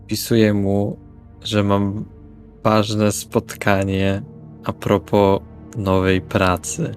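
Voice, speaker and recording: A man's voice: on the low side, completely flat delivery, drawn-out words. A man playing a tabletop role-playing game, improvising dialogue and narrating his actions bluntly with casual swearing. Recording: music under the voice. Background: background music.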